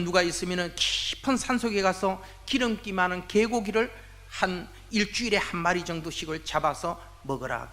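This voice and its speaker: A man in his sixties gives a church testimony, telling it with lively swings and acting out the people he quotes. His voice sits high and sounds bright and forceful. He speaks as an elder addressing a congregation. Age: 60s. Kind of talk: testimony sermon.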